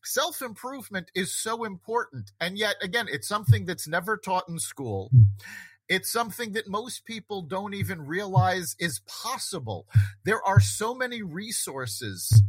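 A man's voice: high voice, very animated, unhurried, a bit bright, breathy edge, no room sound. A man hosting a conversation, talking earnestly and reflectively about self-improvement, with frequent restarts. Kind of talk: casual conversation.

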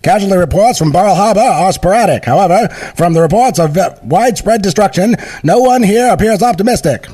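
A man voicing a 1940s male radio news announcer with a transatlantic accent and loud, formal delivery. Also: high-pitched, expressive, brisk, hardly any pauses, slightly rough, voice pushed up. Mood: grave.

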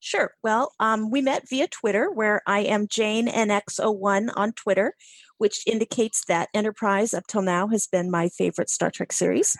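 A woman's voice: medium pitch, normal speed, dry recording. A woman in her fifties, a podcast guest, talking about herself in a chatty, friendly way. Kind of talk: casual podcast chat.

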